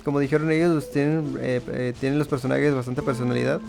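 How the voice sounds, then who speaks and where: A man giving casual let's-play commentary as a gaming host, halting as he thinks aloud. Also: medium pitch, level tone, gravelly, a little mellow, soft background music. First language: Spanish.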